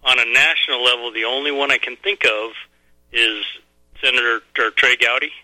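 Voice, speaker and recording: A man in his forties calls in to a radio talk show. His tone is very bright and forceful, and he speaks earnestly with some halting. The sound is dry and close. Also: mid-range voice, steady tone, dry recording, poor audio. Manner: earnest, rambling, a little halting. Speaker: caller. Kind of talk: phone-in call to a radio show.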